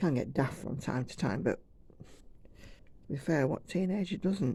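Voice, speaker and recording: A soft-spoken voice with an English accent, a dark, mellow tone and lively intonation. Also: woman, very deep, low pitch for a woman, moderate pace. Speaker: cross-stitch vlogger. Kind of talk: casual chat. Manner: loud.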